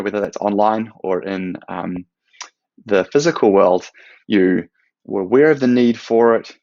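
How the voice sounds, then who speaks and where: A man in his thirties with a New Zealand accent, giving a measured, explanatory product talk into a close webcam mic. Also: on the low side, vocal fry, dry recording. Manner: measured, explanatory, with some fillers. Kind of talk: recorded conference presentation. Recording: dull, slightly lo-fi sound.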